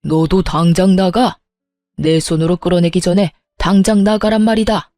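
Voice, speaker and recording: A stern, commanding father-in-law from an audio storybook, barking orders, read by a woman. The sound is mellow and dark, close and dry. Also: on the low side, steady tone, normal speed, no echo, faint music behind, close to an everyday voice.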